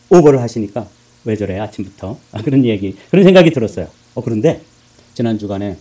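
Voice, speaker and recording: A middle-aged male pastor preaching a Sunday sermon, telling stories and acting out quoted lines. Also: mid-range voice. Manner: animated storytelling, acts out quoted lines.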